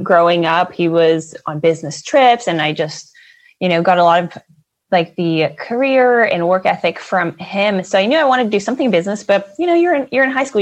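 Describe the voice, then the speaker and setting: A young woman from the Netherlands talks easily as a guest, her voice sitting at an ordinary middle pitch. She strings her thoughts together with lots of fillers and quick laughs. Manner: chatty, many fillers and laughs. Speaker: guest, financial advisor. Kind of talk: casual interview chat.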